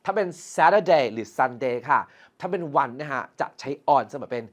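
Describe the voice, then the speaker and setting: Lively Thai woman teaching English grammar. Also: extremely low pitch, a little slow. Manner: lively, explains patiently, addresses students directly. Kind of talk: grammar lesson.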